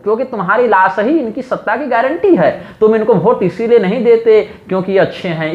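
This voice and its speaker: Emphatic man in a roomy, dull recording. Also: sits high. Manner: emphatic, builds points through rhetorical questions. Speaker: religious teacher giving a discourse. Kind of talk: impassioned monologue.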